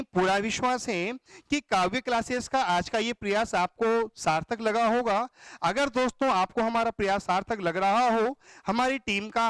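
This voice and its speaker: Man, teacher, exam-prep lecture, high voice, dry close sound, asks and answers own questions. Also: a bit bright, clear, resonant tone, dry recording. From Rajasthan, India. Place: classroom or studio.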